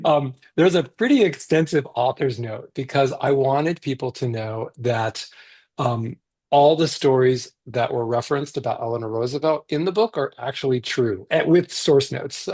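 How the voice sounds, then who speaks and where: A man's voice: mid-range voice, a little slow. A man talking about his picture book in a casual panel chat, enthusiastic and full of restarts. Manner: enthusiastic, animated, with many restarts and fillers.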